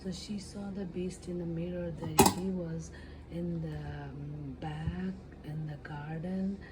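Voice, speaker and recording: A woman speaks softly in an ASMR storytelling style, unhurried and on the low side. Her delivery is gentle and halting, hushed and close to whispering at times. A clear, steady noise sits behind her voice. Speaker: ASMR storyteller, channel host. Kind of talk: soft-spoken ASMR storytelling, improvised retelling of a fairy tale.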